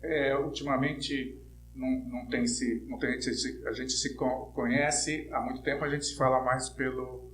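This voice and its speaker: A man's voice: medium pitch, flat delivery, moderate pace. A mature Brazilian man hosting a casual interview, feeling his way through questions and rephrasing them as he goes. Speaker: interviewer, host. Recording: roomy echo, faint hum and noise.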